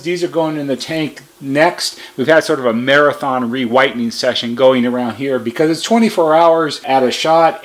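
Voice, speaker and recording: An American man giving a casual, plain-spoken video demonstration as a repair technician, explaining things conversationally. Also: medium pitch. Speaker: repair shop technician presenting a how-to video. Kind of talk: casual product demonstration talk.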